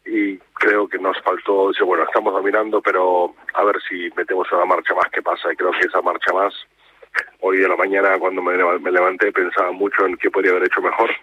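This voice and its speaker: A man with an Argentine accent, a national hockey coach, speaking calmly and reflectively in a radio phone interview, with many restarts. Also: deep voice, fairly quick. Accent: Argentine Spanish. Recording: tinny phone line with faint noise.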